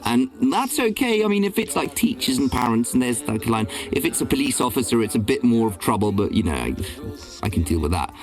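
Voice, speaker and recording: A man's voice: mid-range voice, sing-song, brisk, soft background music. A man from Belgium, a voice-over and casting director, talking casually in an interview on a remote call, rambling with many ums and restarts.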